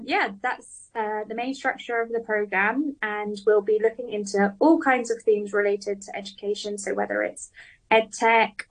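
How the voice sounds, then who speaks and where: A woman's voice: mid-range voice, far from the mic, rough recording. Woman a little off-mic, explaining. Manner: upbeat, explanatory, many ums. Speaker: guest, program organizer. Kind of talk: radio interview explaining a program.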